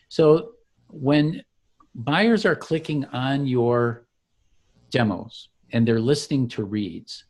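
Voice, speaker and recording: A man presents his product in an informal walkthrough. He explains each step as he clicks through it, with the pitch of a salesman. His voice sits at a middling male pitch. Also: vocal fry, darkish tone. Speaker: company founder demonstrating his product. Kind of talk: informal software demo walkthrough.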